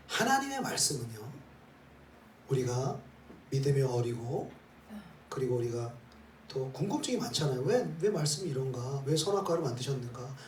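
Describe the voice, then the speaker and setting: Pastor preaching in an echoey sanctuary. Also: male voice, mid-range voice, darkish tone, a little hiss or hum. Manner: rhetorical questions with repeated "eh?" tags; leads the congregation in reading scripture aloud. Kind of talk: sermon. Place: church sanctuary. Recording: roomy hall, voice from some distance, faint ambience.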